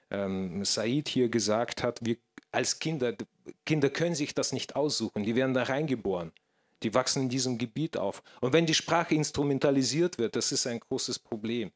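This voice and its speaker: A man in his thirties with a Russian accent, a guest on a stage panel, talking hesitantly with many restarts into a handheld mic. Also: mid-range voice. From former Soviet Union. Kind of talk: panel discussion. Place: stage in a small theater, indoors. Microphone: handheld microphone.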